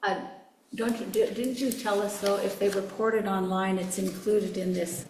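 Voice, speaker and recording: A woman's voice: mid-range voice, steady tone, moderate pace, background noise. Woman chairing a meeting, distant, echoey. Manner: informal, hesitant. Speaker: committee chair. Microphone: video call.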